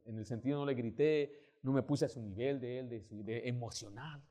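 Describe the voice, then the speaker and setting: A male pastor, preaching a sermon and telling stories with emphatic, lively delivery. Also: mid-range voice, normal speed. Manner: storytelling, acting out quoted voices, emphatic.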